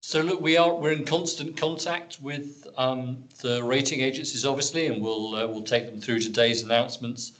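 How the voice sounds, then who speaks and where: Man, company executive, measured corporate manner, earnings call answers, medium pitch. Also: steady tone, fairly bright tone.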